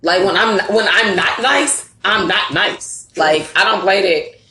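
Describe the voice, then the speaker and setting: A woman's voice: mid-range voice, measured pace, pushed and bright, slight background noise. A woman in her thirties in a casual podcast chat, talking boldly and emphatically. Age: 30s. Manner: bold, emphatic. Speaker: podcast guest. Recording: roomy echo.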